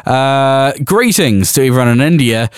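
A man's voice: mid-range voice, expressive, moderate pace, smooth, dry recording, clean studio sound. Kiwi man hosting a motorbike podcast. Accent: New Zealand. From New Zealand. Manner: chatty, upbeat, lots of uh fillers. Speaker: podcast host. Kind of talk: casual chat with sponsor reads.

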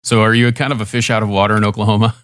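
A man's voice: on the low side, little pitch movement, racing, a bit bright, no room sound. A man hosting a podcast interview over a remote call, laid-back with loose, casual phrasing. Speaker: podcast host.

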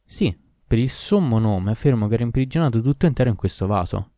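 A man's voice: medium pitch, animated, fast talker, mellow, no room sound, studio quality, lightly acted. A man voicing a proud and cruel ancient male jinn in a storybook reading, in a solemn, declaiming manner. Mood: menacing.

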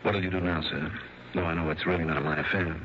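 An actor playing a hard-boiled insurance investigator, narrating in terse, dry first person in a 1960s radio drama. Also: male voice, sits low, steady tone, fast talker, a bit bright, slight background noise. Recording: dull lo-fi vintage radio broadcast.

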